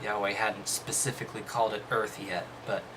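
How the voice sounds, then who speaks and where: A man alternates between reading a text aloud and casually remarking on it with dry, dismissive skepticism. His voice is on the low side and level, delivered fairly quickly over a noisy background.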